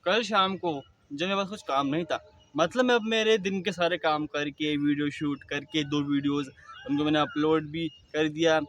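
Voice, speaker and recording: A young man talking casually to his vlog audience, with a throaty, slightly thick voice that he keeps slow and deliberate, catching on the odd word with a small stammer. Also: fairly high pitch, a bit bright. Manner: speaks slowly and deliberately, with occasional stammers. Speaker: vlogger. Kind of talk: casual personal vlog monologue.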